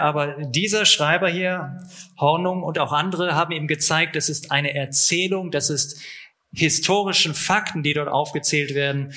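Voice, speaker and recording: A man's voice: fairly high pitch, pushed and bright. A man interpreting a talk line by line, rendering each phrase promptly in a matter-of-fact way with the odd filler sound. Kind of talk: live consecutive interpreting.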